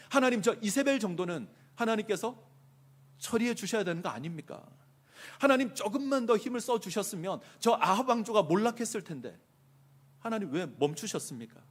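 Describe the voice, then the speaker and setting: A man's voice: a little high, darkish tone, husky. A man voicing a weary, aggrieved male prophet who pleads with God and complains in impassioned rhetorical questions.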